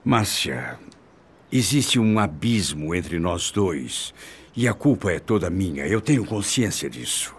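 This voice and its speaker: An actor with a Brazilian accent playing an aging, repentant, newly pious husband in a radio soap opera, solemn and pleading. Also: male voice, low voice, very animated, unhurried, slightly rough, exaggerated voice.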